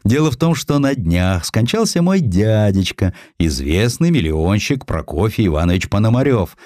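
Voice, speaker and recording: A brash, falsely jovial gentleman, acted out by a male audiobook reader. He talks with breezy overfamiliarity and theatrical, swooping intonation. The recording is close and dry. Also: on the low side, sing-song, normal speed, dry recording.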